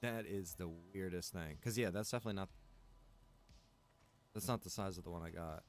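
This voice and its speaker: A man thinking aloud while gaming, muttering to himself in a halting, puzzled way. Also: low voice.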